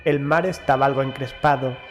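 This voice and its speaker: A man reading a first-person horror story as an audiobook narrator, in a measured, formal storytelling delivery. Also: mid-range voice, fairly even intonation. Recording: music behind the voice. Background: background music.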